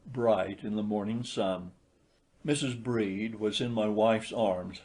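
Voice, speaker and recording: A man's voice: on the low side, gravelly, a little mellow. A man reading a literary short story aloud as an audiobook narrator.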